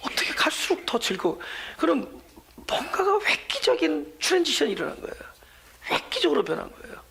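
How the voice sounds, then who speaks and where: A pastor preaching a sermon, swinging between loud emphasis and soft near-whispers, and putting questions to the congregation before answering them. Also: high-pitched, wildly swooping pitch, brisk, gravelly.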